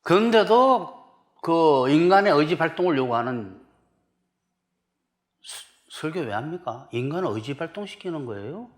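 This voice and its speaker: Emphatic Korean pastor preaching. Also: male voice, fairly high pitch, lively intonation, moderate pace. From South Korea. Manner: emphatic, rhetorical questions to the congregation. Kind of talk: sermon.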